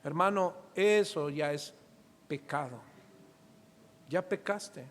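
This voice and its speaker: A man's voice: fairly high pitch, slow. A middle-aged Mexican man preaching a sermon as pastor, asking the congregation questions and acting out little scenes from family life. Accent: Mexican Spanish. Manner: preaching with rhetorical questions and acted-out anecdotes. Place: church hall. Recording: reverberant church hall.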